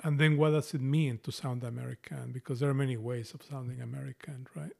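Co-host, middle-aged man, strong Mexican accent, creaky texture, mid pitch, talks books thoughtfully. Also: steady tone, fast, mellow. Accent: Mexican Spanish. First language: Spanish. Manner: thoughtful, restarts phrases often. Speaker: podcast co-host. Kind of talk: casual book discussion.

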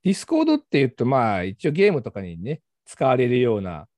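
A man from Kansai with a faded Kansai accent, a marketing teacher co-hosting a casual podcast, easygoing and quick to laugh. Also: mid-range voice, wildly swooping pitch, darkish tone, no echo. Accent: faded Kansai Japanese. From Kansai, Japan.

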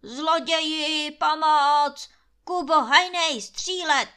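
A woman voicing a bossy, greedy male landlord who shouts commands in a storybook reading. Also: high voice, fairly even intonation, pitched above the performer's own voice. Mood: furious.

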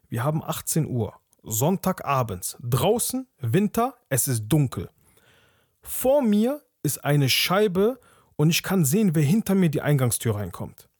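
A young man hosting a podcast, telling a personal story in a casual, animated way, often tagging sentences with "ne?" and dropping into hushed asides. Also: a little high, slightly rough, no echo, clean studio sound. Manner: animated, acts out the other people's lines; casual, with frequent "ne?" tags. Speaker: podcast host.

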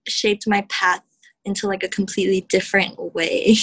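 A young woman from Texas, a professional wrestler, answering interview questions in a chatty way, full of "like" and quick laughs. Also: mid-range voice, little pitch movement, slight background noise, rough recording. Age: young adult. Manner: chatty, heavy use of "like", laughs often.

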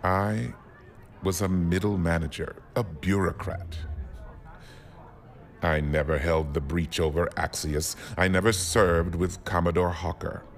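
An actor playing a self-doubting admiral in a science fiction audio drama, measured and bitterly self-deprecating. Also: male voice, low voice, fairly even intonation. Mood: bitter, ashamed. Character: self-doubting male admiral, career military bureaucrat. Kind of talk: dramatic acting.

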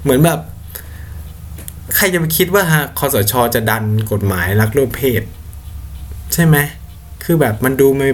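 A man's voice: medium pitch, lively intonation, unhurried, long pauses, slight background noise. A young man hosting a podcast, talking casually in a blunt, slangy, argumentative way. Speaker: podcast host. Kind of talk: casual solo commentary.

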